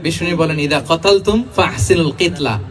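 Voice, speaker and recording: A man with a Bangladeshi Bengali accent preaching a sermon to a gathering, passionate, swinging between loud and hushed, calling on his audience to answer. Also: normal speed, a crowd in the background. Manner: impassioned, surging in volume and dropping low, calling on the audience to answer. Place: religious gathering before an audience.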